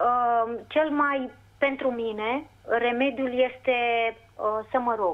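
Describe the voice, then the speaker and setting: Speaking very slowly, a woman keeps her high voice at fairly even intonation. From Romania, Roman (Moldavia). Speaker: caller. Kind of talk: phone-in call. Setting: phone call.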